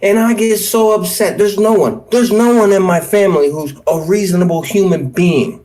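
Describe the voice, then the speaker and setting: High-voiced man ranting on a podcast. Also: moderate pace, dark tone. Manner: heated, profane ranting. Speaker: podcast co-host. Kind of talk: casual podcast chat.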